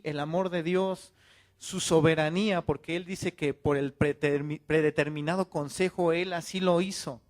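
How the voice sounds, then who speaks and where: A man preaching a fiery sermon, firing off rhetorical questions and calling his listeners to repent. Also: on the high side. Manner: acts out quoted voices of churchgoers.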